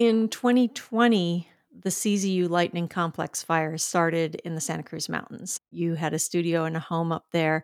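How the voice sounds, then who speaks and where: In a plain, everyday voice, the speaker talks at a moderate pace with ordinary pitch variation, the sound dry and close with no echo. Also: woman, fairly low pitch for a woman. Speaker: podcast host and interviewer. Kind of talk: interview and narrated introduction.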